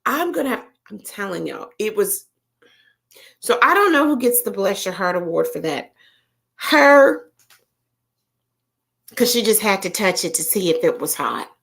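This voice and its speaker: A woman with a Southern American accent, chatting casually with viewers on a livestream and telling stories in an animated way. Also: medium pitch, moderate pace, gravelly. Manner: animated storyteller, talks straight to viewers, frequent fillers. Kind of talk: casual chat.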